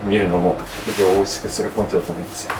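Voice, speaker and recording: Explaining his kitchen work while he preps, a male owner-chef of a sushi restaurant speaks politely and matter-of-factly, very fast, in a low-pitched voice with little pitch movement. The distant mic picks up a roomy kitchen full of clear working noise.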